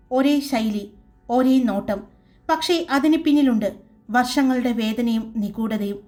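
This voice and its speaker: Woman storyteller, scripted narration, high pitch, calm dramatic delivery, faint background music.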